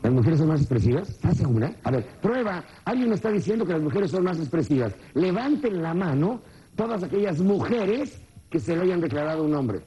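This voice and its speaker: A man giving a live personal development seminar, joking and constantly quizzing the audience in an animated way. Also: fairly high pitch, a little fast, husky, low-quality recording. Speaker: motivational seminar speaker.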